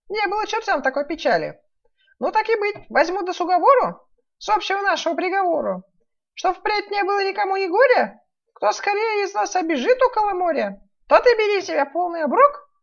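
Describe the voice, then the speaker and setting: Storybook imp child, played by a woman: extremely high, thin, cheeky and boastful, dull recording. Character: squeaky cheeky young boy imp, boastful and mewling. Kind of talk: dramatised fairy-tale reading.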